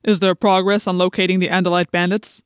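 A menacing alien commander barks orders in a voice pushed louder and odder than a plain narrator's, as a woman reads him. He sounds cold and imperious. The recording is dry and close. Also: on the low side, level tone, fast, clean tone, no echo, lightly acted.

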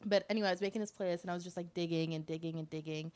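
A woman's voice: on the low side, steady tone, racing, a little mellow. A woman with a Toronto accent in casual chat, talking in a playful, emphatic, slangy way.

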